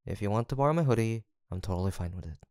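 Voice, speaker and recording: A man playing a gentle, teasing young college roommate in an intimate audio roleplay, with a soft-spoken, hesitant manner. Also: lowish voice, animated, racing, clear, resonant tone, no room sound, studio quality. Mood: caring, playful. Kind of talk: intimate boyfriend-style roleplay acting, one-sided conversation.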